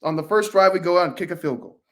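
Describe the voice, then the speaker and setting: A man co-hosting a casual sports podcast, talking fast and rambling, and his voice jumps high when he retells big plays. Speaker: podcast co-host.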